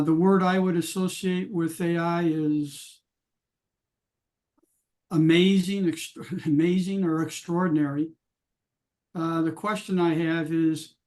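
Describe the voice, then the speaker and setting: A man's voice: a little high, steady tone, a little slow, pauses often, a little mellow. A man from Illinois giving a brief, plain self-introduction on a video call. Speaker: workshop participant.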